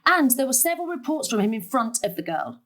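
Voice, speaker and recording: A woman's voice: high-pitched, sing-song, fast, a bit bright. A woman acting a harried middle-aged mother and carer in a stage drama, exasperated, emphatic and snappy. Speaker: stage actor. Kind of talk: dramatic dialogue in a play.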